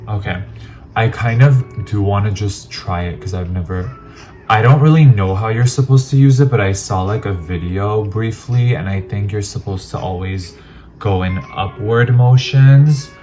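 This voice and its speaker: A man with a fairly low voice talks through an unboxing in loose, rambling chat. He pokes fun at himself as he goes. Faint music plays under him. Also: normal speed, dark tone. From Armenian heritage. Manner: chatty, rambling, self-deprecating. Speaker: vlogger.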